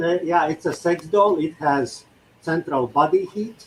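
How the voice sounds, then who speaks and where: The speaker has an Eastern European accent. The delivery is fairly slow. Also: man. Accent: foreign, Eastern European-sounding. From Finland or Sweden. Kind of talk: casual chat.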